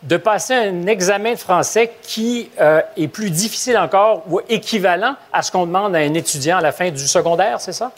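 A man's voice: high-pitched, a little fast, few pauses. Québécois male TV talk host. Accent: Québécois French. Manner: lively, asks probing questions, jokes with guests. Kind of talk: hosting a televised panel debate. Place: TV studio with live audience.

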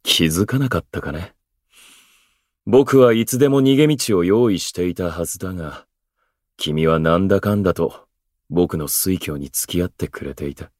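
An actor playing an aloof, eloquent station worker in a voice drama, speaking in florid, pompous, unhurried phrases. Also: male voice, low voice, dry recording, studio quality. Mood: earnest, measured. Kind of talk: Japanese voice drama acting.

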